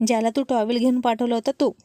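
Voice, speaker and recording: A woman's voice: fairly high pitch, level tone, fast, dry recording, lightly acted. A woman voicing a hot-tempered young husband. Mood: sulking. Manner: scolding, shouting.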